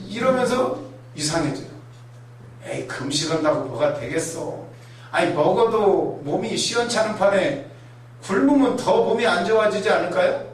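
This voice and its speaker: A man with a fairly high voice delivers an animated sermon, slipping into voices and asides as he goes. He is recorded from a distance in a very echoey hall. Faint noise sits underneath. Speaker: pastor.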